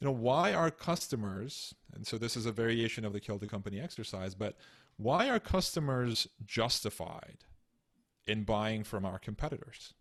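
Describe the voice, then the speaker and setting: A man in his thirties from Turkey, explaining ideas in measured, earnest interview answers over a video call. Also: lowish voice. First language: Turkish. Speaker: guest author. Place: home room, indoors. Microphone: studio mic on stand, video call.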